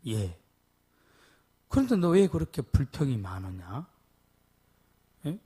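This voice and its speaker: 부흥회에서 설교하는 남자 목사로, 이야기를 하며 대화를 흉내 내고 "예?" 하고 회중에게 자주 묻는다. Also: male voice, on the high side, measured pace. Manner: animated, acts out dialogue, often asks the congregation "예?". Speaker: pastor. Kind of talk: revival sermon with storytelling.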